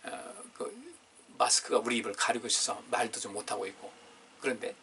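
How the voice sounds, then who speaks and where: A man's voice: fairly low pitch, very animated, a little fast, bright, forceful tone, slight background noise. A man pastor preaching a Friday prayer meeting sermon in a conversational way, reading scripture aloud and asking the congregation questions. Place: church. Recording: distant, room-miked sermon recording.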